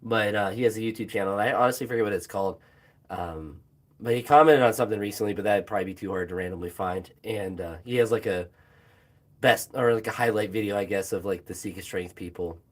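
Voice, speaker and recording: Young guy with a really low voice, hoarse and phlegmy, rambling about his workout, lots of ums. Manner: halting, many fillers and pauses. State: hoarse with phlegm, throat sore. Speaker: phys ed teacher. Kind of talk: casual vlog chat while training.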